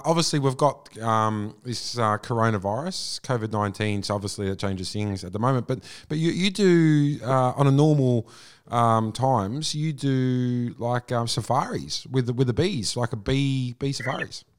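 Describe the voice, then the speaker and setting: Casual male interviewer, medium pitch. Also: expressive, moderate pace, clean tone. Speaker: interview host.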